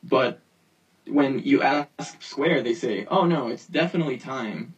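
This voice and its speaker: A man chats loosely as a podcast co-host, hesitant and full of fillers. His voice arrives distant and husky, because it plays out of a speaker and is caught by a phone held up to it. The sound is thin and set back from the mic. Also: medium pitch, measured pace. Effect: remote call voice replayed through a speaker and picked up by a phone. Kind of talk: casual podcast chat.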